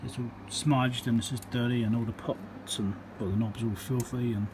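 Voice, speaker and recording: A man with a mid-range voice and fairly even intonation talks at normal speed over a noisy background. He's an electronics repairer with a New Zealand accent, casually walking through his work at an indoor bench, unscripted and matter-of-fact.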